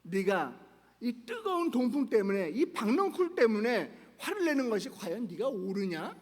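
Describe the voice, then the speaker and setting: A man voicing a patient, gentle God who speaks calmly and tenderly, in a large echoing church hall. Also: very high-pitched, moderate pace, heavily acted. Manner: calm, tender, pleading.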